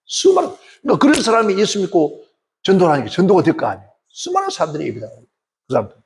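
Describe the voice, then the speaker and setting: A male pastor preaching a sermon with animated, folksy storytelling. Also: high-pitched, fast, slight background noise.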